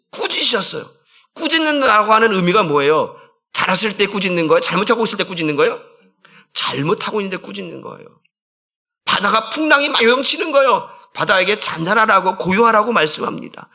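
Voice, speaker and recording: A man's voice: high-pitched, bright, forceful tone. A man preaching a conversational sermon as a senior pastor, asking the congregation questions and acting out quotes.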